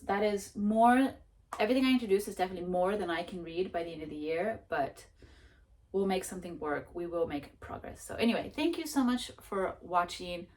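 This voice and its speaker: A woman's voice: mid-range voice, a little mellow, recorded from a distance. A woman book vlogger chatting casually about her reading plans, self-mocking, with frequent restarts and laughter. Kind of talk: casual chat.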